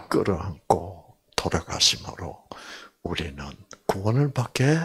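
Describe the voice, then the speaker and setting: An older man giving a Bible lecture, telling a family story and acting out the quoted voices with big swings. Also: breathy edge. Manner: animated, acts out quotes with big pitch jumps.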